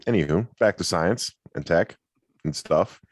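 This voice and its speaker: Deep-voiced man hosting a podcast. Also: lively intonation, a little slow, no echo, clean studio sound. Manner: joking, stumbles over hard words while reading. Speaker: podcast host. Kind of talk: casual comedy chat and news reading. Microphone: video call.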